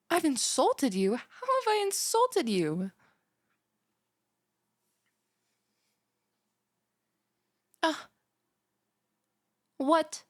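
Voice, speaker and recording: A woman's voice: sits high, wildly swooping pitch, extremely slow, no echo, clean studio sound, heavily acted. A young woman playing a bubbly, ditzy, easily offended student who gushes and rambles in a one-sided audio roleplay. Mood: offended, flustered. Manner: gushing, rambling, dramatic gasps and sighs.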